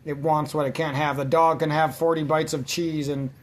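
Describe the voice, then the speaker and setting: A man's voice: fairly high pitch, level tone, moderate pace. A man ranting in casual let's-play commentary, rambling and swearing constantly as he vents. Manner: rambling, profane, venting. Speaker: gaming channel host.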